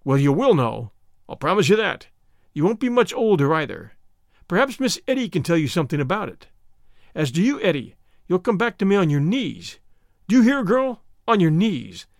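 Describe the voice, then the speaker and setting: A man's voice: a little high, very animated, a little fast, creaky, no room sound, clean studio sound. A man voicing a savage, domineering young villain with a curt, sneering, threatening delivery in an audiobook. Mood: furious, threatening. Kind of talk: audiobook character acting.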